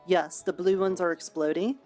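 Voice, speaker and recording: Low-voiced woman hosting a roleplay. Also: fairly even intonation, moderate pace, a little mellow, soft background music. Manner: motherly, practical, gives out food and advice. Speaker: streamer and roleplayer. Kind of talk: in-character roleplay chat.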